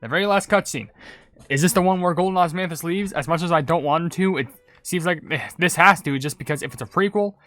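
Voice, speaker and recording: A man's voice: fairly high pitch, fast talker, fairly bright tone, no echo. A man giving casual, chatty, rambling reaction commentary on a video game. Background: game music.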